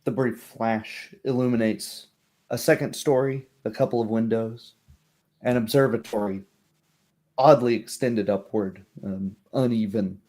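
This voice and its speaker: A man narrating a tabletop roleplay game as game master in a measured, descriptive way. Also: lowish voice, steady tone, dark tone.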